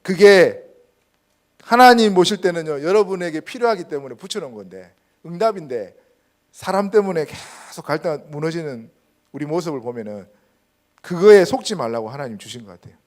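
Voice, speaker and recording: Man, pastor, church sermon, emphatic, swooping pitch, rhetorical questions. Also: lively intonation, fairly quick, darkish tone. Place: church sanctuary.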